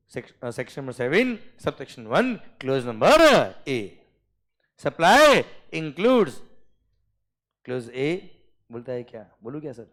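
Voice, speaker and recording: An Indian-accented male teacher lecturing a class, his voice slightly high and swinging widely in pitch. He reads out lines slowly, word by word, then explains them at speed. He keeps checking in with his students. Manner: checks understanding often, calls students "beta" and "sir".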